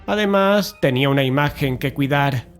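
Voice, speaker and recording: A man's voice: medium pitch, normal speed, natural voice. Man playing pompous Spanish investigator over music. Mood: grave, reflective. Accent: Spain. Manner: formal, pompous, precise wording. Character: Mario, self-assured, conceited male investigator leading his friends. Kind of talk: Spanish audio drama acting and first-person narration.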